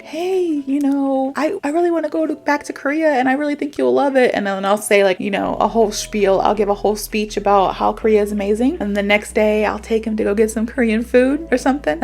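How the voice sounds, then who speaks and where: A young American woman teaching English slang, telling personal stories in a chatty, animated way full of quoted dialogue. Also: fairly high pitch. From United States. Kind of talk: casual storytelling lesson.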